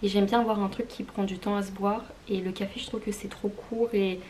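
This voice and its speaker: A woman's voice: mid-range voice, steady tone, brisk, darkish tone, slight background noise. A young woman chatting casually to camera as a vlogger, in an informal, confiding way.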